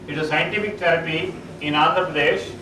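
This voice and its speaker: A middle-aged man with an Indian English accent gives a halting conference talk as a psychologist, full of uh fillers and restarts, on a large auditorium stage. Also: fairly high pitch, steady tone. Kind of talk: conference presentation. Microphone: distant room mic, speaker standing on stage. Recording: echoey auditorium, far from mic, noisy.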